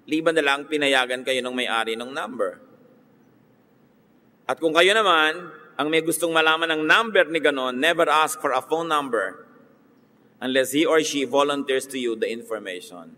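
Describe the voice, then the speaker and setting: A Filipino-accented pastor's slightly high voice fills a large room as he preaches in church. He blends English into his words, teases his audience, and does animated mock voices.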